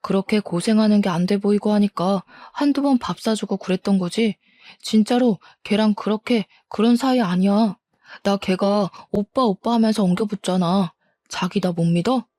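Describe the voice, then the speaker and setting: A defensive, scornful cheating husband in a spoken storybook, read out by a woman. He blusters and turns every accusation back on his wife, in a mellow, dark tone. The recording is dry and close. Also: medium pitch, moderate pace, dry recording, lightly acted. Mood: pleading. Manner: blustering, blame-shifting.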